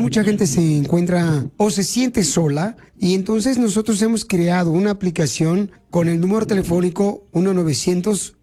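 A woman voicing a smooth-talking male recruiter pitching a phone-line job, lowering her voice and talking persuasively. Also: warm tone.

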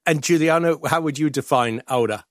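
A man's voice: fairly high pitch, brisk, dry recording, clean studio sound. A man hosting a broadcast interview, asking curious questions in a polite, conversational way. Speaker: interviewer, programme host.

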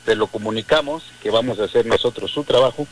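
A man's voice: medium pitch, fast, low-quality recording. A man from Guadalajara with a Mexican accent, calling in to a radio show and explaining his view in a friendly way. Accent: Mexican Spanish. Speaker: radio caller. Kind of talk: phone-in chat.

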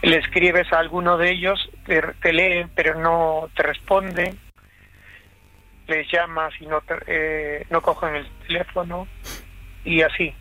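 A man from Chile calling in to a late-night radio show, telling a family story in a halting, reflective way. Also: fairly high pitch, level tone, pushed and bright, low-quality recording. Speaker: caller.

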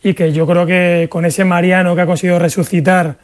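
Man, sports journalist, high voice, measured radio analysis. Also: little pitch movement.

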